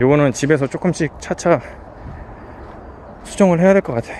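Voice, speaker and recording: Talking at a fairly quick pace, a man uses lively intonation at a fairly high pitch. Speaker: vlogger. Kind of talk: casual vlog monologue while hiking. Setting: outdoors, hiking trail. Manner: rambling, conversational.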